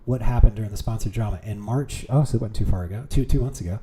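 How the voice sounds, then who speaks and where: A man's voice: lowish voice, quick pace, noisy background. A man streaming from home, reading aloud with amused reactions, with keyboard clicks nearby. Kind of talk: casual streaming commentary.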